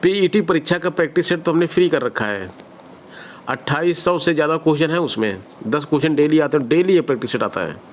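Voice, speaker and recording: This online exam-prep teacher, a man with a Hindi accent, talks fast with lively intonation and a fairly high pitch, over slight background noise. He offers students direct, conversational advice backed by everyday examples.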